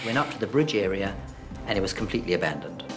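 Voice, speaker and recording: A man's voice: low voice, animated, quick pace. A middle-aged man, a guitarist, earnestly recounting a personal experience in an interview, with small restarts. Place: indoor room with bookshelves. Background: loud music score.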